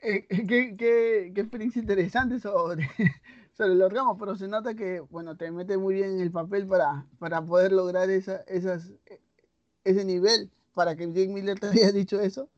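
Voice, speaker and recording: A male interviewer with a notably high voice asks his questions hesitantly, repeating words as he looks for the phrasing. The recording sounds dull and lo-fi. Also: steady tone, normal speed.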